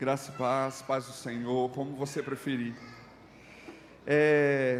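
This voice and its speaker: A man at a medium pitch speaks very slowly in a monotone, flat manner. Audible room echo surrounds his voice. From Brazil, raised in Ceará (born São Paulo). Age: 30s. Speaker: pastor. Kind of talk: sermon. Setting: church service.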